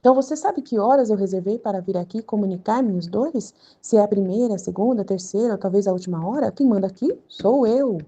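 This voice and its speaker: A woman's voice: medium pitch, fast talker, hardly any pauses, warm tone, close to an everyday voice. A woman voicing a stern, commanding male God who scolds and mocks in a raised voice. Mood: stern, scolding. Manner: bossy, mocking.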